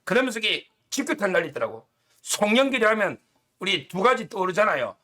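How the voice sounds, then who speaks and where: Guy on a politics talk show, sharp bright voice, blunt and mocking. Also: high-pitched, sing-song, fast. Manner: blunt, scornful, uses coarse insults. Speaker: political commentator.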